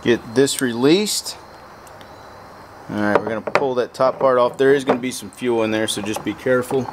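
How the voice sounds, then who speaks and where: Over music, a man hosting a motorcycle repair tutorial talks through each step plainly and practically as he works outdoors at a truck bed workbench. He speaks with a medium pitch at a moderate pace.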